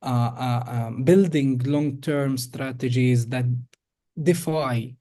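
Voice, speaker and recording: A young man from Jerusalem speaks as a podcast guest over a video call, with a mellow, warm voice. He explains things in a measured way, stopping often on "uh" and "um". His delivery is steady and unhurried. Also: mid-range voice. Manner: hesitant, many fillers, measured explanation. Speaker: guest, executive director of an organization. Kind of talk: podcast interview.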